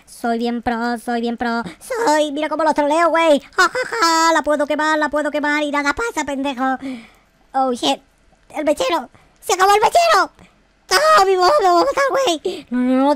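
A woman's voice: high voice, fairly bright tone, dry recording. A woman voicing a boastful, clueless noob kid in a game role-play, who exclaims and panics about his mom. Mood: bragging.

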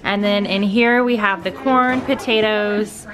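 This vlogger, a woman in her thirties, keeps up casual, chatty talk with "you guys," her viewers, while shooting a cooking vlog on an outdoor deck. Crowd noise sits behind her steady, medium-pitched voice, which moves at a measured pace.

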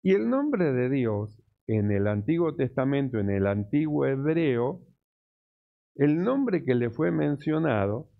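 A man preaching a sermon as pastor, teaching slowly and deliberately, repeating key words. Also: mid-range voice, very animated, gravelly, narrow, tinny audio. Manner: slow, deliberate teaching with repetitions.

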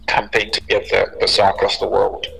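Bright-voiced man in a very reverberant space. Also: lowish voice, completely flat delivery, normal speed, vocal fry, faint music behind. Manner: emphatic, repeats phrases for stress. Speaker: musician guest. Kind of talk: interview conversation. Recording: reverberant room with long echo.

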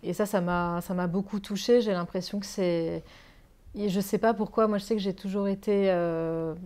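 Mellow-voiced reflective young woman author. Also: mid-range voice, steady tone, moderate pace. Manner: reflective, repeats words as she thinks. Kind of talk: bookshop author talk. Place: bookshop reading event, indoors.

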